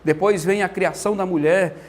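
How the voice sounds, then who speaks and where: A man with a fairly high voice teaches Bible doctrine with a Brazilian Portuguese accent. He talks in an animated, storytelling way and acts out the quotes as he goes. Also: moderate pace. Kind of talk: lively church teaching talk.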